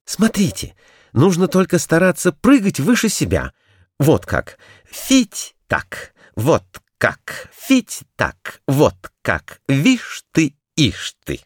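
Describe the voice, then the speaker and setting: A man voicing a boastful male wooden toy with a squeaky, jumpy voice in a storybook reading. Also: wildly swooping pitch, extremely slow, husky, no echo, studio quality, full character voice. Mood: excited. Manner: bragging, shrill and jumpy.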